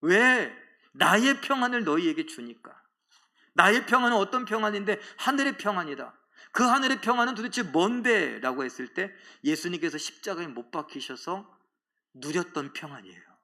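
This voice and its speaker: A man's voice: high-pitched, animated, moderate pace, bright, forceful tone. A male pastor preaching a Sunday sermon, asking rhetorical questions and answering them himself. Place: church.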